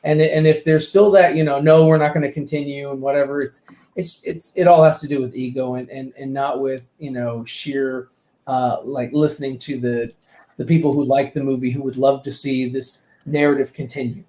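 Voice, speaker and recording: A man's voice: mid-range voice, fairly even intonation, moderate pace, mellow. A man chatting casually and giving opinions on films, rambling and often repeating his words. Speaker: panelist on a fan talk show. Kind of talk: casual opinionated film chat. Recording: echoey room.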